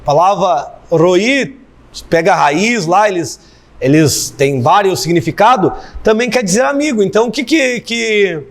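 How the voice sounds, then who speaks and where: A man's voice: high-pitched, expressive, unhurried. A man teaching a theology class, explaining step by step and repeating key phrases for emphasis. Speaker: theology professor. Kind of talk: classroom lecture.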